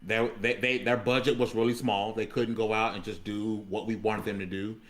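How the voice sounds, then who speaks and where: A man on a gaming podcast panel giving casual, explanatory commentary in a measured way with colloquial asides. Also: lowish voice, little pitch movement.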